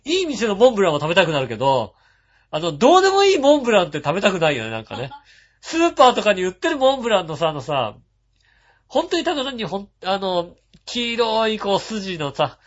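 A man hosting a radio show, reading listener messages and chatting about them in a relaxed, rambling way with frequent chuckles. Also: high voice, slightly rough. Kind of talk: casual chat. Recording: dull lo-fi sound.

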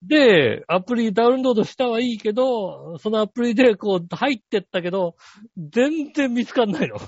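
Animated rambling man, casual chat. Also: high-pitched, a little fast, no echo, lo-fi sound. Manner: rambling storyteller, animated, many fillers. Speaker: podcast co-host.

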